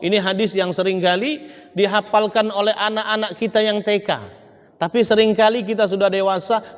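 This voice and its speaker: A man preaches a sermon. His voice sits fairly high, and he keeps turning to his congregation, rising to loud emphasis and then dropping to a hush. A long hall reverb trails each phrase. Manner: keeps addressing listeners as ladies and gentlemen, swings from loud emphasis to hushed. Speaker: Islamic preacher.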